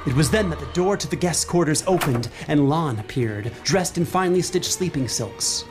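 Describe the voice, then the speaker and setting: A man tells a fantasy tale in ornate, measured prose. His voice sits a little high for a man, and music plays clearly underneath his game-master narration. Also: lively intonation. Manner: grandiose, measured storytelling. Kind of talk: scripted-sounding literary fantasy horror narration.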